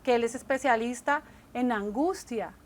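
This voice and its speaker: A woman's voice: fairly high pitch, normal speed, a little hiss or hum. A woman, co-hosting a Christian talk show, speaking earnestly about faith and often asking "right?" to check in. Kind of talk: faith-based casual conversation.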